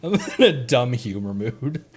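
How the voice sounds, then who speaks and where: A man's voice: medium pitch, animated, moderate pace, slightly rough. A man livestreaming a video game, chatting casually and playfully to himself as he plays. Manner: playful, giggly, self-talking. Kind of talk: casual game stream chat. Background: game music.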